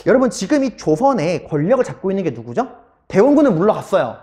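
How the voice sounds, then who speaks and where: Animated male history teacher. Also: high-pitched, fast. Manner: animated storytelling, addressing students. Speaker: middle school history teacher. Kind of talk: online history lecture.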